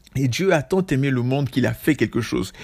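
On a very clean recording with a silent background, a man's somewhat breathy voice sits at medium pitch with ordinary pitch variation. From Ivory Coast. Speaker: preacher. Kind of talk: sermon. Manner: halting.

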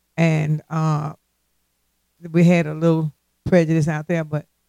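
Recorded with a dry, close sound and no echo, a man with a fairly high pitch and a dark, mellow tone talks at a fairly slow pace in a monotone, flat intonation. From Mississippi, US South. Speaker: guest, host's mother. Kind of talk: casual chat.

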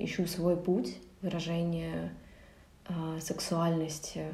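A woman with a somewhat breathy voice speaks at a very slow pace with fairly even intonation, and audible room echo surrounds her. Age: 20s. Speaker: furniture designer and photographer. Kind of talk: recorded monologue answering questions.

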